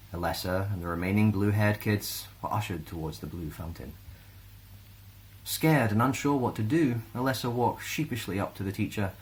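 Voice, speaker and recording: A man with a Scottish accent reading a children's fantasy story aloud in an expressive storytelling style. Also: on the low side, rough recording. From Glasgow, Scotland.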